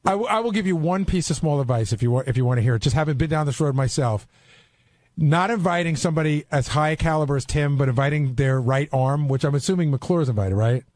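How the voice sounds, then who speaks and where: A man's voice: fairly high pitch, quick pace, a little mellow, no room sound. A middle-aged man in a casual panel discussion, pressing his points with blunt advice.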